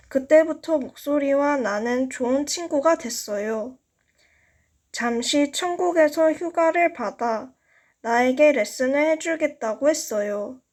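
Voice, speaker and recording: A high-pitched woman reads a story aloud at an unhurried pace. She is an amateur narrator who takes care over each sentence. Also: darkish tone. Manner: slow, careful reading with stumbles. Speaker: amateur audiobook reader. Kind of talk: reading a novel aloud.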